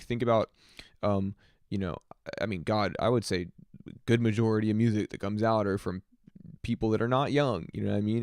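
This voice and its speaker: A man's voice: on the low side, clean tone, dry recording, clean studio sound. A man in his twenties chatting casually on a music livestream, rambling and reflective with many fillers. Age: 20s. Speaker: music streamer.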